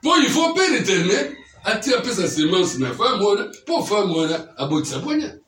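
A man's voice: high-pitched, big pitch swings, normal speed, fairly bright tone. A man preaching a teaching sermon, often checking that his listeners follow him with questions. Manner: keeps quizzing listeners with questions. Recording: echoey room, mic far off.

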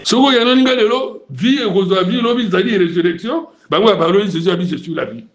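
Un homme à l'congolais qui prêche un sermon et demande souvent à l'assemblée si c'est clair. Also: male voice, sits high, fast, dull audio. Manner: preaching in Lingala mixed with French, asking the crowd if it is clear. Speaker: preacher.

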